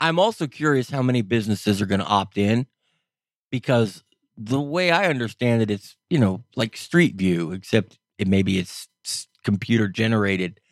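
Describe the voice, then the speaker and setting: The man has a normal speaking voice at medium pitch, with lively intonation and a moderate pace. The sound is dry and close, with no echo. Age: middle-aged. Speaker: tech writer. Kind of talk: casual chat.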